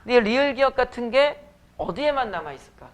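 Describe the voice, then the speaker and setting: A man teaching a high school Korean class, lecturing casually with joking asides to his students. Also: expressive, fairly quick. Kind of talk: classroom lecture with teasing banter. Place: academy classroom.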